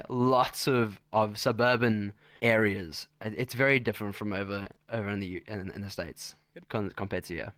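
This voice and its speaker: A man with a South African accent, his voice on the low side and slightly bright, is a guest on a video-call interview. He talks in a casual, slangy way, rambling and restarting his sentences. The recording has no room sound.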